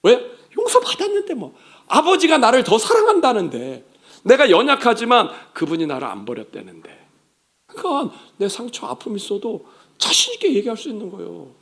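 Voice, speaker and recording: A male pastor preaching a sermon, swinging from loud exclamations to soft whispered asides and acting out everyday quoted speech. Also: high voice, creaky.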